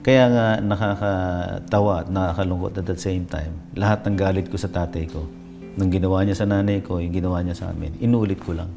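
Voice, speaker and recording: A man's voice: sits low, steady tone, fairly quick, vocal fry, over music. A man, a pastor telling his personal testimony in a reflective way, switching between Tagalog and English. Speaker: pastor, interview guest.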